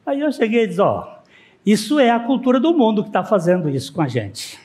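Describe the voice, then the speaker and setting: A man's voice: high-pitched, huge pitch swings, brisk, a little mellow. A man preaching a sermon in a church, mixing rhetorical questions with anecdotes told with dry humor. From Northeast Brazil. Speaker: pastor. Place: church sanctuary.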